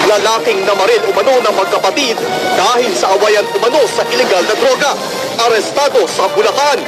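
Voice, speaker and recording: A male anchor with a Filipino accent reads urgent headlines in a high, raised voice. Loud news music drives underneath. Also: rough recording. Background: loud news theme music.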